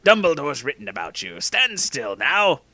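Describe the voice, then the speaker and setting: A man voicing an eerie old wand seller in a comic story reading, deliberate, drawn-out and musing. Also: on the high side, sing-song, bright, forceful tone, no room sound, voice pushed up, full character voice.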